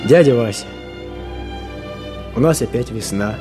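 With music clearly behind, a man plays an earnest young fighter in a radio drama. He speaks at a middling pitch, reflective and heartfelt, carrying grief and hope together. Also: expressive, unhurried, close to an everyday voice. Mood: tender, resolute. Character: earnest young fighter, grieving lost friends, hopeful builder. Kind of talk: Soviet-style radio play acting.

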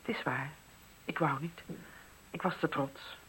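A woman's voice: low voice, fairly even intonation, a little slow, fairly bright tone, slight background noise, low-quality recording. An actress playing an anxious, wounded, proud single mother in a Dutch radio play, with pleading, dramatic delivery. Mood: bitter, proud.

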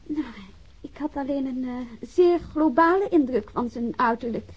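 An actress playing a guarded, evasive witness in a radio drama, speaking hesitantly and with cool politeness. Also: female voice, sits high, unhurried, slightly rough. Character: guarded, evasive female witness under police questioning. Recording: dull lo-fi radio drama recording.

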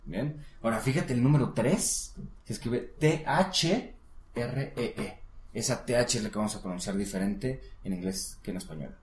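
A man teaches pronunciation in a relaxed one-on-one lesson. His voice sits at an ordinary middle pitch, and he patiently models each word slowly. The room is echoey. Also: a little hiss or hum. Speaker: English teacher.

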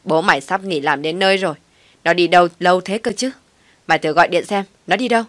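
Woman doing a shrill scolding mother-in-law. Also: quick pace, dry recording, close to an everyday voice. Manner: harsh, nagging, shouting insults.

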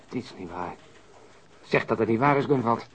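An actor playing a dismayed, gruff man who mutters tersely in a radio drama, with a gravelly, husky voice. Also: medium pitch, lively intonation, normal speed. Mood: dismayed, muttering. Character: dismayed, gruff man reacting in disbelief to a letter.

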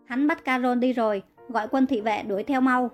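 A woman's voice: a little high, steady tone, fairly quick, faint music behind, lightly acted. A woman reading the part of a scheming queen giving irritated orders in a narrated story. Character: scheming queen, annoyed and imperious.

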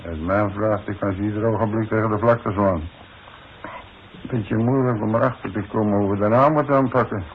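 A man's voice: on the low side, fairly even intonation, brisk, lightly acted. An actor playing a plain-spoken, worried demolition foreman in a 1960s radio play, talking in blunt, colloquial working-man's language. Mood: worried, coaxing. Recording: muffled, noisy 1960s radio recording.

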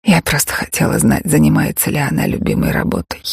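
A man voicing a weary, cautious East German woman who talks softly and breaks off mid-sentence, in a gravelly voice. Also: a little high, lively intonation, a little fast, no room sound, clean studio sound, exaggerated voice. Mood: guarded.

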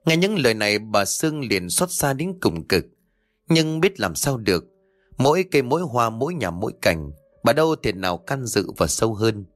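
A man narrating a ghost story in a steady, suspenseful storytelling voice. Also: mid-range voice, moderate pace. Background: faint music.

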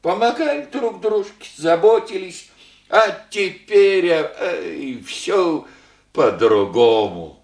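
A meek old village grandfather in a vintage radio play, speaking slowly with a lively, rising and falling pitch. His folksy, hesitant rustic drawl rings in a roomy old studio. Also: exaggerated voice. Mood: pleading. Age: older. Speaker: old father visiting his daughter. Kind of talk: Soviet radio play acting.

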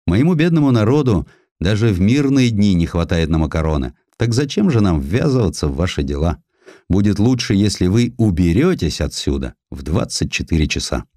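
Man playing deep-voiced plaintive Italian port commandant. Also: sing-song, a little fast, dark tone, dry recording, clean studio sound. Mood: plaintive, firm.

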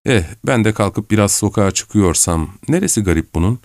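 Casting: shy young woman, guarded and polite, lifted higher, read by a man in an audiobook, dry studio sound. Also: lively intonation, a little fast, no room sound. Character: shy reserved young woman, night walker. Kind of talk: audiobook reading.

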